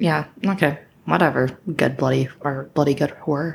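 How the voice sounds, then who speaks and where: An American accent marks this woman's animated tone, delivered at a moderate pace in a very deep, low pitch. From South Alabama. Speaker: podcast host. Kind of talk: casual chat, drinking banter. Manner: animated, bantering.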